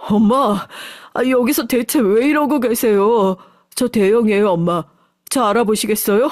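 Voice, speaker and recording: A woman's voice: a little high, normal speed, a little mellow, no room sound, lightly acted. A woman voicing a grown son, a company chairman, who speaks politely and pleads close to tears. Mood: tearful.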